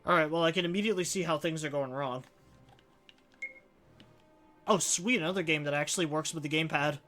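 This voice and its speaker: Casting: male let's play streamer, slightly high voice, conversational and wry, faint music behind. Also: fairly quick, sharp tone. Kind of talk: casual game commentary. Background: game music.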